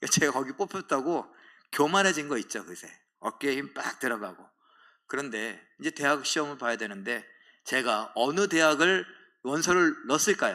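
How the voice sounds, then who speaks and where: A fairly high-pitched man with a bright, sharp tone and lively intonation, long, frequent pauses, on a very clean recording with a silent background. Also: moderate pace. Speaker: pastor. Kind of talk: sermon. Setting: church. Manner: conversational, anecdotal.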